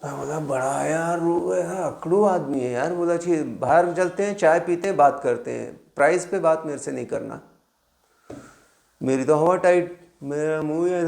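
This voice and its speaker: A man, telling a lively story as a real estate coach and acting out both sides of phone calls. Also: a little high, gravelly. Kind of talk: storytelling monologue. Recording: echoey room.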